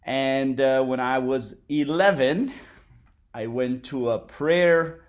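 A man from Egypt, a guest on a podcast, telling his life story in a relaxed way with hesitant fillers. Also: medium pitch, takes it slowly. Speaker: interview guest. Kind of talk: interview, personal story.

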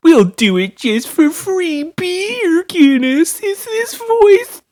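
A man, a podcast co-host, putting on a squeaky, high chipmunk-like voice while joking around in casual chat. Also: sing-song, slow pace, a little mellow, heavily acted. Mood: goofy. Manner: joking, hamming it up in a silly voice.

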